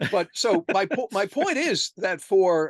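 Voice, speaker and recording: This man has a New York accent and a high pitch with very wide pitch swings. He speaks at a fairly slow pace in a dry, close sound with no echo. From New York City, the Bronx. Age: 70s. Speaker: author and Superman historian. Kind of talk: interview.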